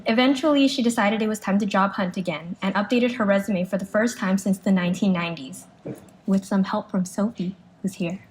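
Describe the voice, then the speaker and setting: A woman's voice: mid-range voice, a little fast, a little mellow, poor audio. A woman reads out a prepared eulogy, speaking as a daughter. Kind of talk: prepared memorial speech read aloud. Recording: live speech with clear background noise.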